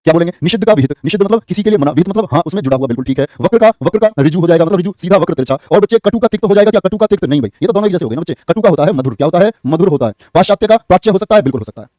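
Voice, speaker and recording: A man teaching a Hindi exam-prep class online, drilling questions briskly and teasing his students. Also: high voice, lively intonation, warm tone, no echo, clean studio sound.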